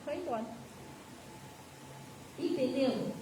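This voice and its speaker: High-voiced woman preaching in echoey hall. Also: animated, slow. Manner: storytelling, emphatic, addresses the congregation. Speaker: pastor. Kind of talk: sermon. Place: church hall. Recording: echoey hall from far off, faint noise.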